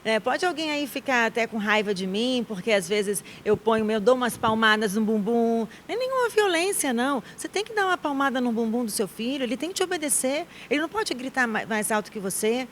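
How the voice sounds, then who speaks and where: A woman's voice: on the high side, expressive, a little fast, few pauses, a little hiss or hum. A Brazilian woman journalist in her thirties, a guest in a TV studio interview, talking firmly and emphatically. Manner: firm, emphatic, outspoken.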